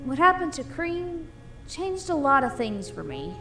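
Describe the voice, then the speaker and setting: Casting: woman as scrappy yet bashful cartoon lady boxer, fairly high, highly expressive, faint music behind. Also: unhurried, exaggerated voice. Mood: warm, then sober. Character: tough but bashful female professional boxer, cartoon animal. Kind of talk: audio drama acting.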